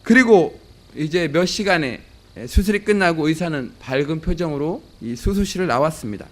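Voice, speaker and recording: Male pastor, sermon, measured storytelling, frequent filler sounds, slightly higher voice. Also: lively intonation.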